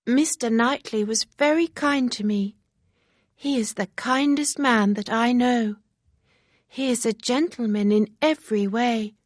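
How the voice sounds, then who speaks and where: A woman reading a story aloud, voicing an eager, excitable young woman who speaks in breathless, bright exclamations. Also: on the high side, unhurried, no room sound, clean studio sound, voice pushed up. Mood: cheerful.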